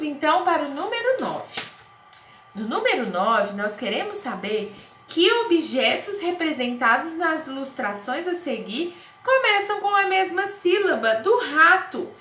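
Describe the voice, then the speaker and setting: A woman with a Brazilian Portuguese accent teaching first graders in a recorded online class, talking slowly in a sing-song, exaggerated way. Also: high-pitched, sharp tone. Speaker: primary school teacher. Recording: echoey room, faint noise.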